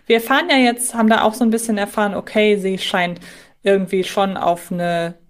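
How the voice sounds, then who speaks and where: A woman's voice: medium pitch, steady tone, a little fast. A woman co-hosting a podcast, talking conversationally in a fan discussion. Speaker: podcast co-host.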